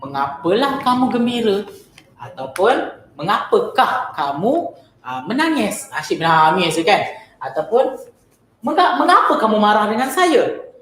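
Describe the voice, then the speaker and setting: Malaysian woman tutor, lively up and down voice, acts out example questions, echoey room w faint hum. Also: mid-range voice. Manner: lively, asks and answers her own example questions. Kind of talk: online grammar lesson.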